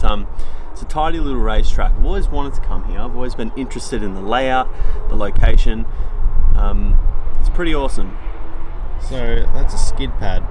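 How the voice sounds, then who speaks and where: A man's voice: medium pitch, background noise. A young man, chatting casually and enthusiastically as he vlogs outdoors at a racetrack. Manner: chatty, enthusiastic, many ums and likes. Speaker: vlogger. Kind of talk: casual vlog commentary.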